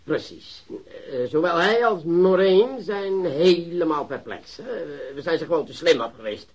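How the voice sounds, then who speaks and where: A pompous, excitable police chief in a radio play. His high, rough-edged voice swoops about as he gives orders with great self-satisfaction, on a muffled recording. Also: moderate pace. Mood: gloating. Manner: pompous, commanding. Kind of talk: Dutch radio drama acting.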